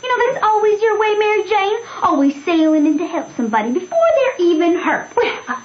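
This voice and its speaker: A woman's voice: very high-pitched, animated, brisk. An actress playing a trusting, spirited country girl in an old radio drama, insistent and questioning. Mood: curious, insistent. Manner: bright-eyed, insistent, questioning. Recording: muffled, echoey, hissy old radio recording.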